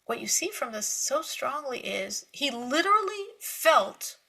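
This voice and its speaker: A woman giving a spiritual Torah lecture, telling stories with lively emphasis, repeating words and laughing lightly between points. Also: high-pitched, a little slow, vocal fry, breathy edge. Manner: animated storytelling with emphatic repetition. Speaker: Torah teacher.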